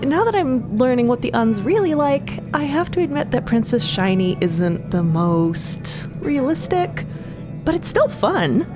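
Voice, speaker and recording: A woman's voice: sits high, very animated, unhurried, music in the background, voice pushed up. A woman voicing a cheerful, girlish comic-book fan in an audio drama, chatty and earnest. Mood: bright, earnest.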